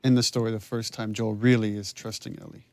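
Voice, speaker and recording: A man who wrote and directed a video game, giving a chatty, halting, self-deprecating commentary over its cutscenes. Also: fairly low pitch, little pitch movement, dry recording. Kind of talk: developer commentary.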